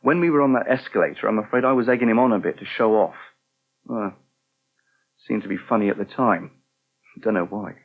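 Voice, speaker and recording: An actor playing a helpful but touchy young gay English restaurant worker in a 1980 British radio soap, brisk and plain-spoken. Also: male voice, fairly low pitch, vocal fry, phone-quality sound. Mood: earnest, helpful. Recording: thin, band-limited old radio recording.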